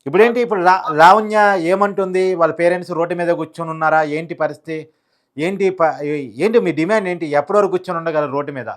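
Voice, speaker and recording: A man hosts a live news phone interview. He fires off questions very quickly at a medium pitch.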